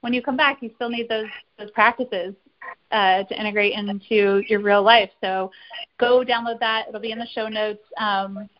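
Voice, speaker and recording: Woman host, mid pitch, upbeat encouraging chat, slightly lo-fi sound. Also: steady tone, moderate pace. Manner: warm encouraging, repeats words for emphasis. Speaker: podcast host. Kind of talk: casual interview chat. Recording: slightly dull lo-fi podcast audio.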